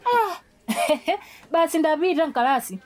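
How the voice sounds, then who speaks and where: A woman's voice: extremely high pitch, sing-song, slow pace, loud music behind the voice, exaggerated voice. An actress playing a scornful young pious female student in a radio drama, with a Malawian accent and a blunt, scolding, mocking way of talking. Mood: stern, dismissive.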